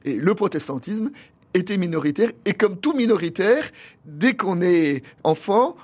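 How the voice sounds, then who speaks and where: Man, 60s, Parisian pastor; breathy, slightly raised pitch; reflective and halting interview delivery. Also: animated, darkish tone. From Paris, France. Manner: thoughtful, halting, many pauses and restarts. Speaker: pastor and guest.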